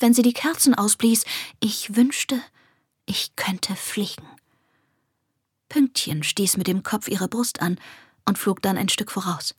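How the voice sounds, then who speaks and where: A woman narrating a children's fantasy story softly and expressively, often dropping to a whisper. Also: fairly high pitch, husky, dry recording, clean studio sound. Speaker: audiobook narrator.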